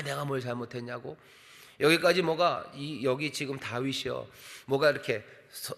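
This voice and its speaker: Man, pastor, expressive sermon, acts out dialogue, bright tone, long church reverb. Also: mid-range voice. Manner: expressive preaching, acting out quoted dialogue. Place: large church sanctuary.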